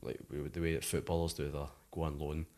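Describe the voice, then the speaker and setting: A man's voice: a bass voice, flat delivery, fast, dark tone. A Scottish man in his thirties, a musician guest talking casually in an interview, rambling with lots of "like" fillers. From Scotland.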